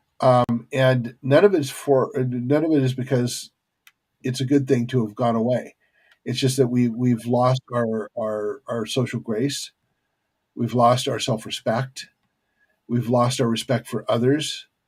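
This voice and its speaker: A man speaks in an ordinary speaking voice at medium pitch, talking at a fairly slow pace with fairly even intonation. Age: 60s. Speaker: podcast guest. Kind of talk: casual chat.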